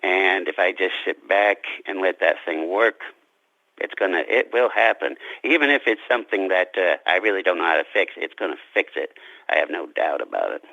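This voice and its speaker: Gravelly male writer, low pitch, reflective interview talk, deliberate phrasing, dry lo-fi sound. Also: lively intonation, sharp tone, dry recording.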